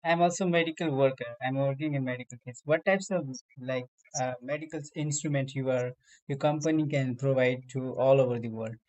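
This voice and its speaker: A man with a South Asian accent chatting casually in halting English, repeating phrases as he goes. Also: mid-range voice, darkish tone, muffled recording. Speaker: medical lab technician. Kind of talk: casual language-practice chat.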